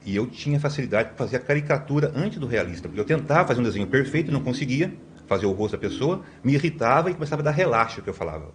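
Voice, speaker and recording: A man's voice: mid-range voice, expressive, rapid-fire, a little hiss or hum. A man in his fifties from Brazil, a podcast guest telling long stories in a rambling way, with many tag questions and restarts. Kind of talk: conversational storytelling.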